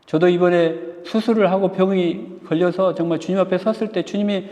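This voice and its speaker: A man's voice: sits high, steady tone, fairly quick, mellow. A junior pastor, a man, preaching a sermon in a church and earnestly addressing the congregation. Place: church sanctuary. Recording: reverberant hall, slightly dull sound.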